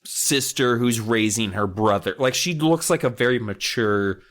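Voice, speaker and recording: A man's voice: medium pitch, unhurried, a bit bright. A man co-hosting a podcast in casual comic chat, prone to swearing and exaggerated exasperation. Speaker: podcast co-host. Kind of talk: casual comic chat, critiquing book covers.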